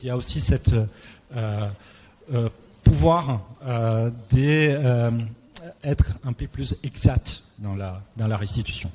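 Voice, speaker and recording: A man from Italy speaks at a round table with a clear Italian accent, as a native Italian speaker. His voice is soft-edged and warm, and he feels his way hesitantly from phrase to phrase. The hall rings around him with long reverb. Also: mid-range voice, slow. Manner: hesitant, searching for words. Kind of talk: semi-prepared talk on architecture and photography. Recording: echoey hall, clear background noise.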